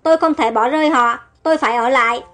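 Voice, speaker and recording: A woman's voice: high voice, fast, a bit bright, soft background music. A compassionate young queen, read by a woman. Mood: distressed. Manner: pleading and distressed.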